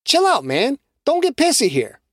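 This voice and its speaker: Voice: high voice, wildly swooping pitch, moderate pace, no room sound, studio quality, voice pushed up. A narrator doing a mocking, impatient young student. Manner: sarcastic, impatient.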